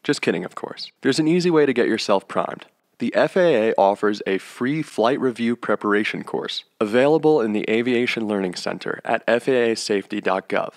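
A man's voice: on the low side, a little fast, no echo, studio quality. A man who works as a flight instructor, narrating a slide lesson in a matter-of-fact way with offhand jokes. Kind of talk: scripted narration over slides.

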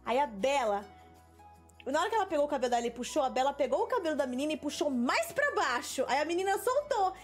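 A young woman with a Brazilian Portuguese accent, telling a story in casual chat as a gaming video host, animated and quick to act out what people said. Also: high-pitched, faint music behind. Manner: animated, laughing storyteller who acts out quotes. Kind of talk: casual storytelling while playing a game.

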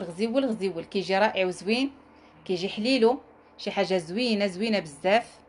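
Fast-talking Moroccan woman selling jewelry. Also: medium pitch, slight background noise. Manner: lively, coaxing, repeats herself, chats with shop staff. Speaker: jewelry seller. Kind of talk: live sales pitch. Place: jewelry shop.

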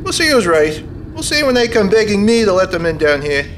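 Male actor as bullying, cowardly husband, agitated and insistent; extremely high, swooping voice. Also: very animated, a little fast, a little hiss or hum. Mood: stubborn, defiant. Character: cowardly, stubborn, bullying middle-aged husband. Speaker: actor in a staged radio play. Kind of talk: radio play acting. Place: theater stage. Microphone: stand microphone. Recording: music behind, live stage.

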